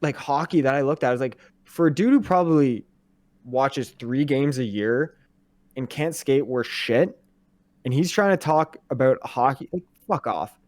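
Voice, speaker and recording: Young male podcast co-host with a mid-pitched voice, recorded close and dry. He gets heated and swears freely, venting his frustration in casual sports chat. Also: normal speed, darkish tone, dry recording. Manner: heated, profane, worked up.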